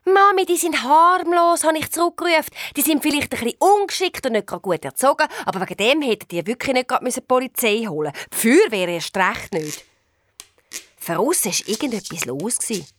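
A woman with a Swiss German accent reading a children's story aloud, lively and expressive. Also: on the high side, a little fast, dry recording, clean studio sound.

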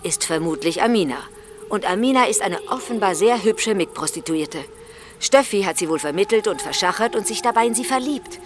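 A woman's voice: mid-range voice, animated, fairly quick, lightly acted. A woman in a radio drama playing a brash investigator with a wry, sarcastic way of talking. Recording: with loud music behind.

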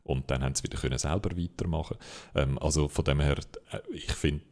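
A man's voice: a bass voice, quick pace. A man with a Swiss German accent, co-hosting a casual game podcast and arguing his picks with lots of fillers. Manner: animated, opinionated, many fillers. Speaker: podcast co-host.

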